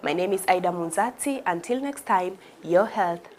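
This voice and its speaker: Woman show host, lowish voice, measured and polite. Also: lively intonation. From Kenya. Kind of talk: interview hosting.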